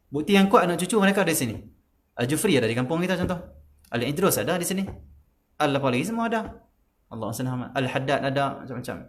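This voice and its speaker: A man from Malaysia, giving a lively, emphatic religious lesson in a conversational way. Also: medium pitch. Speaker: religious teacher.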